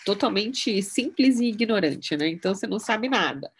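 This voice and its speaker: A middle-aged woman, a mind-mapping instructor, giving a casual teaching talk with personal anecdotes in a chatty, relaxed way. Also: medium pitch, moderate pace, noisy background. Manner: chatty, relaxed, often adds "né?" tags.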